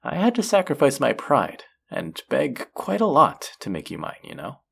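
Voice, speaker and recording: A voice actor playing a flirty, possessive demon casino dealer in an intimate audio roleplay, teasing and taunting in a low, husky, breathy voice. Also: wildly swooping pitch, a bit bright, full character voice. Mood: possessive, calm. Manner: teasing, taunting, slow and drawn-out.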